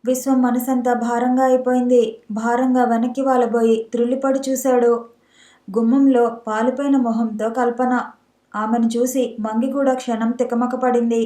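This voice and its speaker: A woman's voice: a little high, flat delivery, normal speed, warm tone. Woman narrating a story in a roomy echo. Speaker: audiobook narrator.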